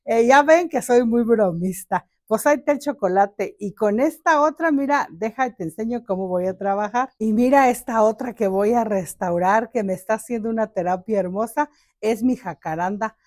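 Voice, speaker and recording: A woman's voice: a little high, moderate pace, a little mellow, dry recording, clean studio sound. An older woman, hosting a casual gardening vlog, chatty and joking, with many fillers and a fond tone toward her plants. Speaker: gardening channel host. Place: home garden outdoors.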